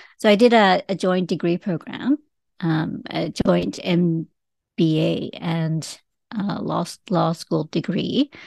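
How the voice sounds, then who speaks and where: A woman's fairly low, vocal-fried voice with an American accent, ordinary pitch variation and a very slow pace against a quiet background. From United States. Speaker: eDiscovery attorney. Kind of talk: interview.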